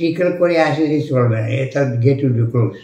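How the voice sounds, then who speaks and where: A man speaks with lively intonation while music plays in the background. The room echo is audible. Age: 80s+. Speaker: doctor. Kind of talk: interview answer. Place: home room.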